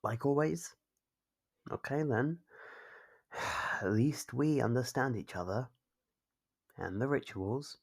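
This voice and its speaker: A performer voicing a possessive, obsessive captor in an ASMR roleplay, mockingly doting and scolding, with coaxing questions and a husky, creaky voice. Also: mid-range voice, full character voice. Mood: doting, smug. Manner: coaxing, chiding, drawn-out teasing questions. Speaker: voice actor.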